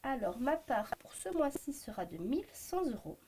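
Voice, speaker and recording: A woman in her thirties with a Belgian French accent, hoarse from a cold, chatting to camera about her family budget with many hesitant fillers. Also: high-pitched, big pitch swings, moderate pace, noisy background. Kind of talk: casual talk to camera. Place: home at a desk, morning.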